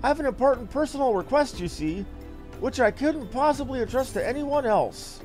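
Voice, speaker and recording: A man's voice: very high-pitched, lively intonation, normal speed, darkish tone, soft background music, voice pushed up. A man voicing a small, flustered, bossy young lady from a video game, chatty and gushing as he reads the dialogue aloud. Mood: coaxing, pushy. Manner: fussy, gushing, exclaiming.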